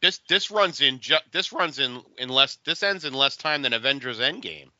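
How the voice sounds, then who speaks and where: A man's voice: medium pitch, expressive, normal speed, pushed and bright, muffled recording. A man co-hosting a podcast in casual, joking banter, often breaking into his own sentences. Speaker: podcast co-host.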